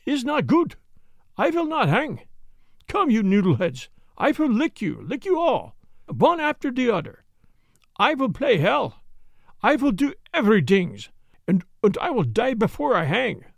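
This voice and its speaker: A man's voice: high-pitched, huge pitch swings, a little slow, gravelly, a little mellow, no room sound, heavily acted. A man voicing a stubborn, blustering prisoner with a heavy put-on foreign accent. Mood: defiant.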